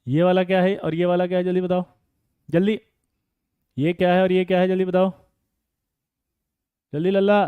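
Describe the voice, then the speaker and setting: High-voiced, playful chemistry teacher. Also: male voice, flat delivery, clear, resonant tone, no room sound, phone-quality sound. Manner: playful, teasing students by name, rapid "jaldi batao" prompts. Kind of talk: energetic online exam-prep lesson.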